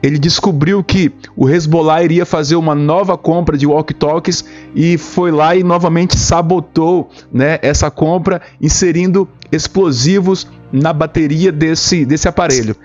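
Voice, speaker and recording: A man's voice: fairly high pitch, fairly even intonation, unhurried, few pauses, a little mellow, lo-fi sound. A man in his thirties with a Brazilian accent giving informal, explanatory news commentary straight to his viewers. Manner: explanatory, addressing viewers directly. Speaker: host of a news commentary video channel. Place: small indoor home studio with shelves. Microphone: close desktop condenser microphone. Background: background music.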